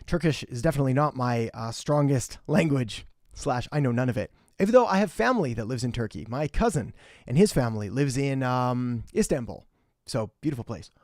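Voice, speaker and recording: A young marketing host chats through a live-stream Q&A from home in western Canada, calling out viewers by name and giving them frank, direct advice. He speaks fairly quickly in a mid-range voice with lively intonation and a slightly mellow tone. The studio sound is clean, with no room sound.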